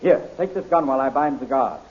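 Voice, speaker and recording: An actor playing a heroic space adventurer in a 1930s radio serial, with a commanding, clipped manner. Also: male voice, mid-range voice, expressive, fast talker, a little mellow, lightly acted. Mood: confident, friendly. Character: bold heroic male space adventurer from Earth. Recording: muffled, noisy 1930s radio recording.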